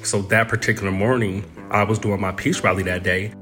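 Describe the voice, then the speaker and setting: A man's voice: on the low side, steady tone, a little fast, a bit bright, faint music behind. A man telling a personal story in an interview, speaking conversationally and loosely, with many "you know"s and "pretty much"es. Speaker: interview guest.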